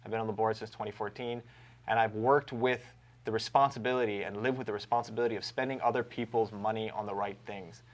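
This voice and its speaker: A man in his thirties from Hawaii introduces himself as a candidate in a TV studio. His voice sits fairly low, and he speaks slowly and deliberately in an earnest way. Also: steady tone. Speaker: political candidate.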